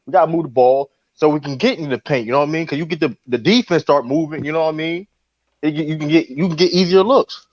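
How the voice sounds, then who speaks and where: A man arguing basketball on a live call-in show, animated and profane, talking over the others. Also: a little high, fast, dry recording, highs cut off. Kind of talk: heated sports debate.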